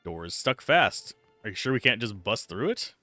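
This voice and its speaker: A man's voice: lowish voice, very animated, normal speed, sharp tone, no room sound. A man streaming a game, giving live commentary and reading game text aloud into a close microphone. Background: faint game music.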